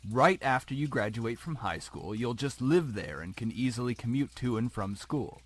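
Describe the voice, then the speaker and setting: A man's voice: medium pitch, lively intonation, normal speed, lightly acted. A man voicing a stern, short-tempered businessman father in a story game, clipped and condescending. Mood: curt, condescending.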